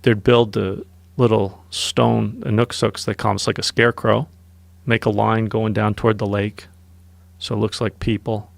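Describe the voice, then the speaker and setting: A podcast guest, a man with a gravelly, fry-tinged voice, recounts hunting experiences in a casual, animated way. He is recorded close on a studio mic with a dry sound. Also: lowish voice, normal speed, no echo. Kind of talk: casual storytelling.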